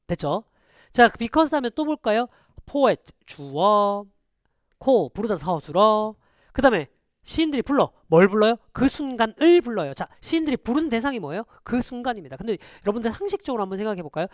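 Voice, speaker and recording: An English teacher gives an online lecture in a high, very animated voice, quizzing students with rapid rhetorical questions and shifting between polite and casual speech. The sound is clean studio audio with no room sound.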